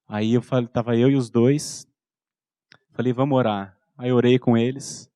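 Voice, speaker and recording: A man in his thirties with a Brazilian Portuguese accent, preaching a sermon and telling a personal story, acting out soft-spoken dialogue with his son. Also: mid-range voice, steady tone, normal speed, no room sound, clean studio sound. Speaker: pastor.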